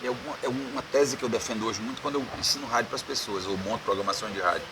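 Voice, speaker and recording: In this casual interview at an indoor bar table, a man who works as a radio producer is a talkative storyteller who laughs a lot and keeps adding a questioning "né?", meaning "right?". His pitch is medium and his pace fast, with background noise present.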